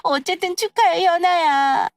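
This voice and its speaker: A woman voicing excitable, gossipy young female friends in an audio story, exclaiming in a blunt, nosy way. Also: very high voice, a little slow, no room sound, clean studio sound, pitched above the performer's own voice. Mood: astonished, curious. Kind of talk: acted dialogue in an audio story.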